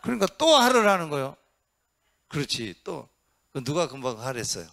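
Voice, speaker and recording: A middle-aged man, a Buddhist monk, giving an interactive dharma talk in a Buddhist hall. He quizzes and coaxes his listeners and acts out the shouts he describes. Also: fairly high pitch, very animated, moderate pace, vocal fry. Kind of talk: interactive sermon.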